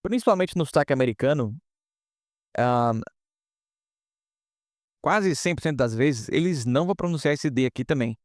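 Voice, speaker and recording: A man's voice: medium pitch, lively intonation, normal speed, long pauses, no room sound, studio quality. A man teaching English pronunciation in a casual online lesson, explaining step by step and often checking in with students.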